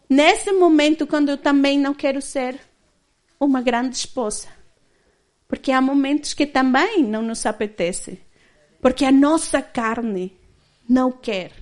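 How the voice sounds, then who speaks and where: A woman in her thirties giving a candid personal testimony as a church speaker, often laughing as she tells it. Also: sits high.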